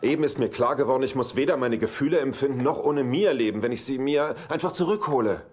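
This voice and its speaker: An actor in a German sitcom dub playing a heartbroken, impulsive womanizer with a halting, dryly flippant way of talking. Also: medium pitch, a little mellow, lightly acted. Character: heartbroken, wisecracking womanizing bachelor, impulsive and self-pitying. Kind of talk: German-dubbed sitcom acting.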